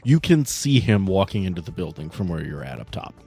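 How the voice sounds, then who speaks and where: A man's voice: sits low, very animated, brisk, gravelly, darkish tone, breathy edge, faint music behind. A man hosting and narrating a tabletop game in a playful, conversational way as he sets scenes. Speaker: host and game master.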